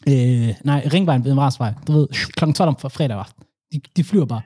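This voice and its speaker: Young man telling lively anecdotes. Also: mid-range voice, slightly rough, no room sound, studio quality. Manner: animated storytelling with slang. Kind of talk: casual chat.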